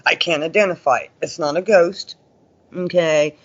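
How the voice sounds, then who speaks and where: In dull lo-fi sound, a paranormal investigator chats as an interview guest, relaying folksy stories and often voicing what people said. His voice is a bit bright and on the high side, moving at a normal speed.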